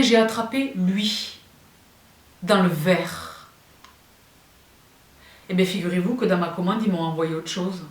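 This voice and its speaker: French woman, young, fashion vlogger, chatty, talks to her viewers, mid pitch, roomy sound, off-mic. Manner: chatty and expressive, addresses viewers as girls. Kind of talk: casual haul chat to viewers. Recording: roomy, a bit far from the mic.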